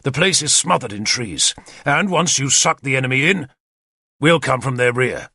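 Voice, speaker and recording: A man voicing a confident, energetic male war leader who lays out battle plans decisively. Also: medium pitch, normal speed, vocal fry, no echo, voice pushed up. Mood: commanding. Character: bold confident male warlord commander.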